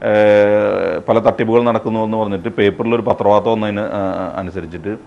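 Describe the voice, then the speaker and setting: Halting man, fast bursts, dull lo-fi sound. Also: lowish voice, fairly even intonation, vocal fry. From Thrissur district, Kerala, India. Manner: halting, hesitant, frequent word searching, English words mixed in. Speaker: interviewee, fraud victim. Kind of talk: unscripted interview account.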